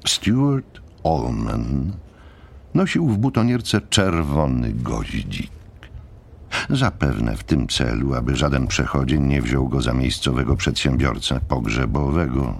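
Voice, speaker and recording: A man giving a dramatic literary narration for an audiobook, solemn and measured. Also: extremely low pitch, animated, gravelly, husky.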